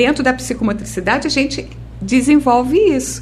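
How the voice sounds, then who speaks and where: A woman's voice amid noticeable background noise. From Rio de Janeiro, Brazil. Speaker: speech therapist. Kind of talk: interview answer.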